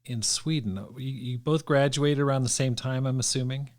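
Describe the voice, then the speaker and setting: A man's voice: mid-range voice, fairly even intonation, normal speed. Affirming male interview host. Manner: affirming, asks short questions, laughs easily. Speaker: podcast host.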